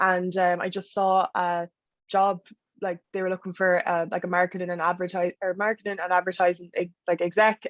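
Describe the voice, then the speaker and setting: A woman with an Irish accent at a moderate pace, in a dry, close sound with no echo. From Ireland, Mullingar. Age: 20s. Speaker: marketing and advertising executive. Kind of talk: interview.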